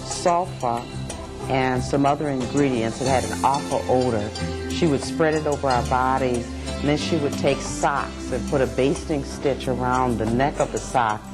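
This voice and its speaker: A woman's voice: very deep voice, normal speed, loud music behind the voice. A woman sharing personal childhood recollections as an interviewee, telling them in a storytelling way. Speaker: interviewee sharing family experience.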